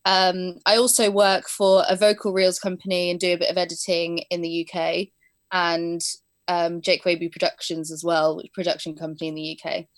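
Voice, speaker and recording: A young woman with an English accent, born in England and raised in southern Spain, chats casually as an interview guest about her work teaching performing arts and editing. Her voice is lowish with little pitch movement at a normal speed, and she uses fillers and laughs easily.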